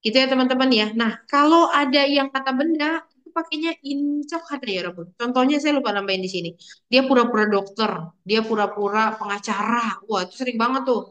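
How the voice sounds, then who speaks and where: A young woman teaches a language class online, with a voice a little higher than most women's. She is chatty and playful and keeps calling on her students by name as she explains the grammar. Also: quick pace, a bit bright.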